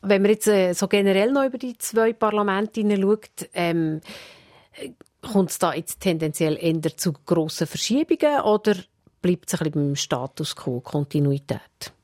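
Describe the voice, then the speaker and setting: Woman, Swiss German accent, average pitch, conversational news interviewer. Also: lively intonation, normal speed, darkish tone. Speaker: radio interviewer.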